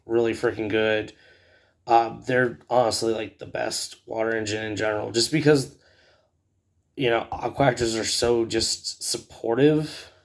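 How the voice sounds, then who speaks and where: Casual male tutorial host, gravelly and scratchy, rambling and hesitant in delivery. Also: mid-range voice. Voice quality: scratchy, raspy. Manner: rambling, hesitant, filler-heavy. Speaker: host of a card game video channel.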